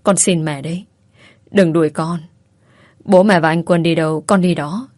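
A woman voicing a young mother who pleads softly and tearfully. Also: fairly low pitch, steady tone, normal speed, dry recording, clean studio sound, close to an everyday voice. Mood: pleading.

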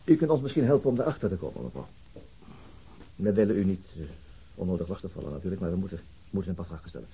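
An actor playing a calm, tactful police inspector in a radio drama, speaking politely and hesitantly. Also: male voice, low-pitched, very fast, slightly rough, heavily acted. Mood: patient probing. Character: calm, tactful male police chief inspector questioning gently. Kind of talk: naturalistic radio drama acting.

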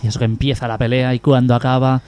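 A man's voice: medium pitch, little pitch movement, fast talker, darkish tone, smooth. A man co-hosting a community radio comedy show, telling jokes, playing up repetition gags and groaning at puns. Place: radio studio.

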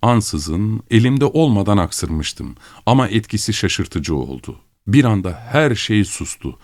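Man narrating an audiobook, lively tone. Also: fairly low pitch, slow, no echo, clean studio sound.

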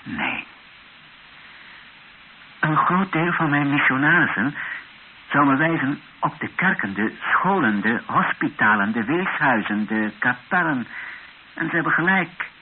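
An actor playing a grave, self-doubting Catholic bishop in a radio drama, speaking reflectively and with deliberate pauses. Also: male voice, mid-range voice, lively intonation, natural voice. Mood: earnest, self-critical. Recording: hissy, dull old radio recording.

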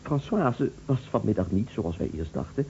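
Casting: cornered lover, hesitant and stammering, lively pitch, gravelly edge, old radio play. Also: male voice, normal speed. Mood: uneasy, placating. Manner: stammering, hesitant, repeating words. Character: flustered, defensive lover caught in a love triangle. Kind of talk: Dutch radio drama acting. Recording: dull lo-fi radio recording, faint hum.

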